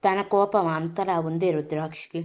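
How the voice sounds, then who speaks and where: A woman storyteller reading a romance story aloud in a steady, emotive way. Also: fairly low pitch, moderate pace, muffled recording. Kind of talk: scripted story narration.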